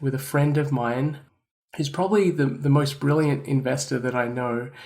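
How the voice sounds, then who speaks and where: A man's somewhat breathy voice sits fairly high in pitch, with ordinary pitch variation. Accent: Australian. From Australia. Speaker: software engineer and bitcoin writer. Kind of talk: casual podcast interview.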